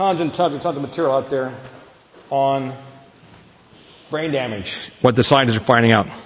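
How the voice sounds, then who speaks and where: There is audible room echo and noticeable background noise as a man speaks at a moderate pace, pausing long and often. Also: medium pitch for a man, ordinary pitch variation. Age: 50s. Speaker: preacher. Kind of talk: sermon.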